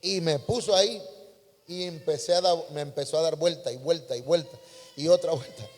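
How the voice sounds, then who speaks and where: A man's voice: a little high, normal speed. A man voicing a humble female clay cup recounting her shaping, plaintive, with a Mexican accent. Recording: long hall reverb.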